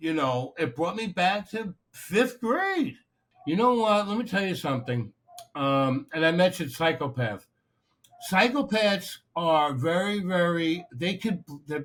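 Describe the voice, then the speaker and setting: A man with an American accent speaks at a high pitch. His voice makes very wide pitch swings. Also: fairly slow pace. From Long Island, New York. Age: 60s. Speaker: counselor. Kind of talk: interview. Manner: halting, repeats words.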